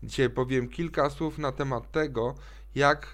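A man talks at a fairly slow pace. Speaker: podcast host on remote work. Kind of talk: solo explainer monologue. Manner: hesitant with fillers.

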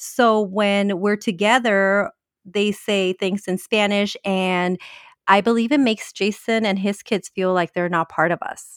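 A woman talks in a normal speaking voice at medium pitch, with fairly even intonation and a fairly slow pace. The recording is very clean with a silent background, and the sound is dry and close with no echo. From Mexican-American household, US. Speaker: podcaster, mother in blended family. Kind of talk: interview guest, personal story.

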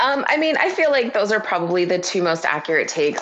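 Over noticeable background noise, a woman speaks in a bubbly tone with very wide pitch swings. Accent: American. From US Midwest, Chicago. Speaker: activist and sex worker. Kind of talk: casual interview.

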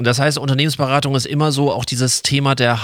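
Here is a plain, everyday voice with fairly even intonation. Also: man. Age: 50s. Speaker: management consultant and podcast host. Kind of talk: casual chat.

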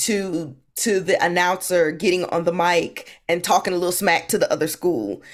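A woman's plain, everyday voice, fairly low in pitch with ordinary variation, at a fairly slow pace in a very clean recording with a silent background. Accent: American. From Hampton, Virginia. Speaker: marching band alumna and band historian. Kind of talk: interview.

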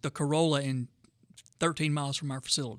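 Here a man speaks with a Southern US accent in a bright, sharp tone. The recording is very clean, with a silent background. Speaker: business owner. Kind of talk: casual chat.

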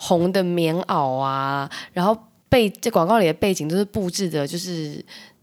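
On a very clean recording with a silent background, a woman with an unremarkable speaking voice talks at a moderate pace with lively intonation. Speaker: podcast co-host. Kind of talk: casual chat.

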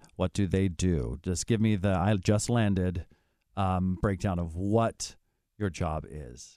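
A man with a General American accent, very deep and low in pitch with a dark, mellow tone, ordinary pitch variation and a very slow pace against a quiet background. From Utah. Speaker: podcast host. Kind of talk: casual interview. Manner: crisp diction.

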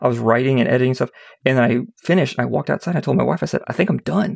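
At a very fast pace, a man talks in a medium-pitched voice with vocal fry, and the sound is dry and close with no echo. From Indiana, US Midwest. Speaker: author and planner coach. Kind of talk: casual interview.

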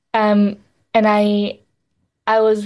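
Against a quiet background, a woman with a French accent speaks at a medium pitch. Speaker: author. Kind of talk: interview. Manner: hesitant, repeats words.

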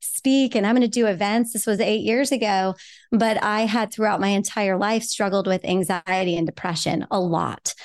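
A woman in a normal speaking voice, fairly high in pitch, at a moderate pace with fairly even intonation over a quiet background. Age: 40s. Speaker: entrepreneur and coach. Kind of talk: casual interview.

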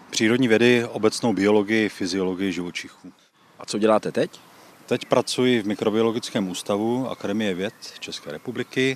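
An ordinary speaking voice from a man, fairly low-pitched, fairly quick, with fairly even intonation. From Czechia, Třeboň (South Bohemia). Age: 50s. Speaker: microbiologist. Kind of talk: casual interview on location. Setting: outdoors on a pond dam.

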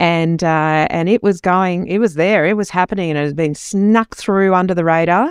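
A woman speaks at a moderate pace with an Australian accent. The sound is dry and close with no echo, over a quiet background. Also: fairly low pitch for a woman, ordinary pitch variation, hardly any pauses. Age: middle-aged. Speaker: podcast host, buyer's agent. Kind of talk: casual interview.

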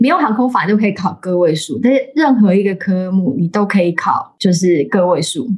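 Her pitch medium and ordinarily varied, a woman speaks at a moderate pace. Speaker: air traffic controller. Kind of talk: casual chat.

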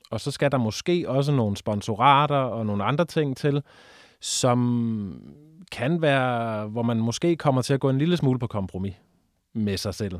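Recorded very cleanly against a silent background, a man talks at medium pitch. His pace is fairly slow. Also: ordinary pitch variation. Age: 40s. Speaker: festival organizer and music programmer. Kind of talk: casual interview. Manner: halting.

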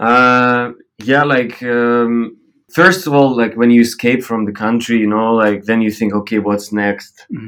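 A man with a Russian accent, medium pitch, fairly slow pace and fairly even intonation, against a quiet background. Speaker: filmmaker and curator. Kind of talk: interview.

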